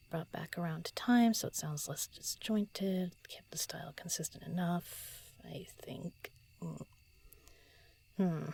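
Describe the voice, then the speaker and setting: A woman playing a solitary, pensive writer in an audio drama, murmuring halting lines to herself as she composes, often half-whispering. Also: low-pitched, vocal fry, a little mellow, slightly rough, heavily acted. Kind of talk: intimate audio drama monologue, thinking aloud.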